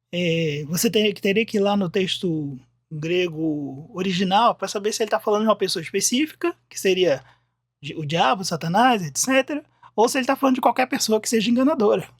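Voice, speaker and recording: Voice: medium pitch, dry recording, studio quality. A teacher with a Brazilian Portuguese accent explaining Bible words from slides in a recorded lesson, talking conversationally, thinking aloud and often restarting sentences.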